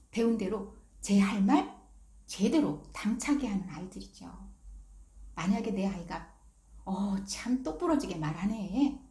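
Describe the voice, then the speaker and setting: Middle-aged woman teaching parents, acts out the quotes, mellow voice, roomy echo. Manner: acts out quoted lines with lively shifts in pitch. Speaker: parenting educator. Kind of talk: storytelling parenting lesson.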